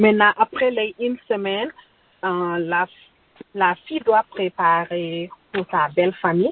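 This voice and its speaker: The woman's medium-pitched speech comes very slowly, broken by long, frequent pauses, with ordinary pitch variation. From Senegal, Tambacounda. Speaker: guest speaking on customary marriage. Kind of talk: radio interview.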